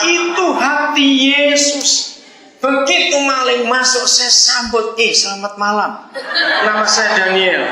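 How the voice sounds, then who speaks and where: Lively high-voiced older preacher man. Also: heavy reverb, poor audio. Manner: animated storytelling with laughs and acted quotes. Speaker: pastor. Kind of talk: sermon.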